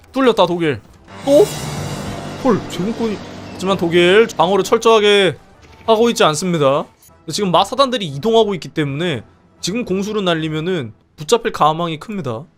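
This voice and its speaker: High-pitched young guy yelling over a strategy game stream, voice bouncing all over, bit of music under it. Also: brisk. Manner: animated, exclaiming, laughing often, swearing. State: strained voice from singing. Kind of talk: excited live game commentary.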